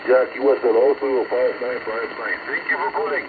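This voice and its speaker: A man's voice: mid-range voice, steady tone, moderate pace, gravelly. A man operating CB radio from a vehicle, giving callsigns and signal reports in clipped, repetitive radio procedure over a single-sideband transmission. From Qatar. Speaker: amateur CB radio operator in a mobile. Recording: noisy muffled CB radio reception.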